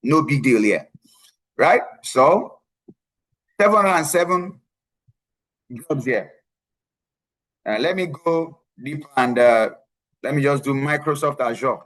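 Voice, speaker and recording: A man's voice: medium pitch, animated, slow, pauses often, fairly bright tone. A man coaching a live online class on tech careers, speaking emphatically, repeating key phrases and often checking in with "right?". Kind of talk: live online presentation with screen share.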